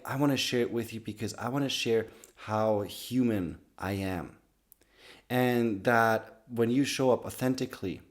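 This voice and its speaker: A man with a slightly raspy voice from being sick, talking to camera in an earnest, loose way about personal growth. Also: fairly low pitch, darkish tone. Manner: earnest, loose sentences with many restarts and "like". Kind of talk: casual talk to camera.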